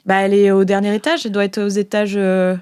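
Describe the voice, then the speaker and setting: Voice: medium pitch, completely flat delivery, fast talker, a little mellow, clean tone, no echo. Hesitant game master in a very dry recording. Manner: hesitant, searching for words. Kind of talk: improvised tabletop role-play narration, casual chat.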